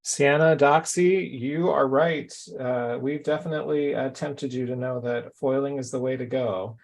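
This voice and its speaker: A man's voice: mid-range voice, steady tone, moderate pace, gravelly. A man hosting a live craft show, chatting with his guest and talking directly to viewers in an upbeat way. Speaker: host.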